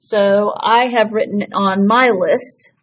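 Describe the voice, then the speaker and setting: Fairly even intonation from a woman at medium pitch. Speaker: math teacher. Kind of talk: lecture. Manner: loud.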